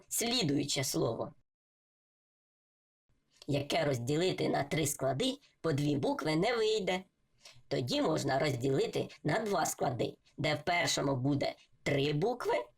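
A woman's voice: sits low, big pitch swings, unhurried, creaky, breathy edge. A woman giving a patient reading lesson for children, sounding out syllables letter by letter. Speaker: reading teacher.

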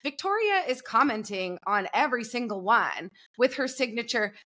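Young female guest, bright crisp voice, gossipy and chatty, video call from home. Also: fairly high pitch, lively intonation, moderate pace. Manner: chatty, gossipy, laughs easily. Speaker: podcast guest. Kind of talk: casual pop culture chat. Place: home room. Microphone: video call with earbuds.

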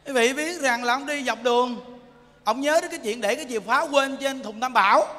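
A man giving an animated sermon as a Buddhist monk, teasing the audience and often asking them if they understand. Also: extremely high pitch, a little fast. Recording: echoey hall.

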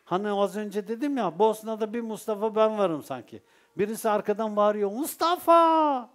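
A man's voice: high voice, fairly quick. A man with a Turkish accent giving a religious Sufi talk, telling stories and asking his listeners rhetorical questions. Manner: lively storytelling with rhetorical questions. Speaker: Sufi teacher.

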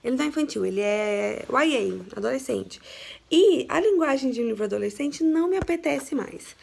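A young woman from Brazil chatting casually in a reading vlog at home, emotional and quick to laugh. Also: high voice, lively intonation, creaky, a little mellow, husky. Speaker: book vlogger. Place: home, her bedroom.

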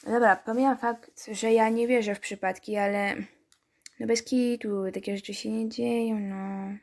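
A woman's voice: on the high side, little pitch movement, unhurried. A woman reading a story game aloud and breaking off for wry, chatty asides to her viewers. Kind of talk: let's-play reading with chatty commentary.

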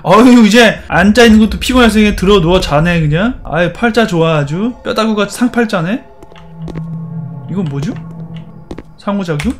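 A man's voice: high-pitched, lively intonation, moderate pace. A man playing a horror game and commenting, teasing the characters in playful chatter. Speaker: gaming YouTuber.

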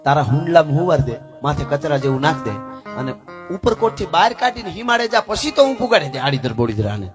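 A man's voice: a little high, big pitch swings, quick pace, music in the background. A man voicing a loyal, fierce palace maid in a folk tale, speaking in urgent, commanding quotes.

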